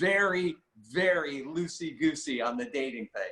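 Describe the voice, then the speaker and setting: The man has a fairly high-pitched voice. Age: 60s. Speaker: cosmetic dentist. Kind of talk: interview. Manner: halting.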